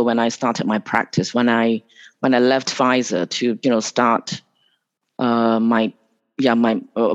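A man from Malaysia, a guest lawyer in an interview, talking casually with many restarts and fillers. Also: mid-range voice. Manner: hesitant, many restarts and fillers, laughs often. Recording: dull lo-fi remote audio.

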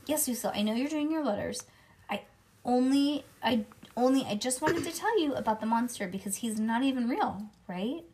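A woman voicing an excitable, pushy little schoolgirl who talks in insistent, rambling bursts. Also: a little high, normal speed, slight background noise, voice pushed up, close to an everyday voice.

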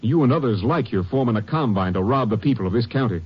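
An actor playing a commanding, dryly sardonic Texas Ranger captain in a 1950s radio western, with emphatic, folksy authority. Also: male voice, medium pitch, animated, quick pace, breathy edge. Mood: stern, sardonic. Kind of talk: 1950s old-time radio western acting. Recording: muffled vintage radio broadcast.

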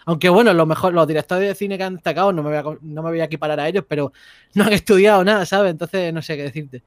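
A man's voice: fairly high pitch, fast talker, dry recording, clean studio sound. A young man chatting casually as a podcast guest, hesitant and repeating himself, often tagging "sabes". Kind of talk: casual chat.

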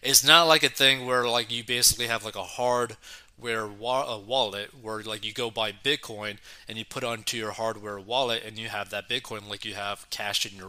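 A young man with a very bright, sharp voice reads a news story aloud, then breaks off into excited reactions. His commentary is casual and full of "like" and "right?" asides. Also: on the low side.

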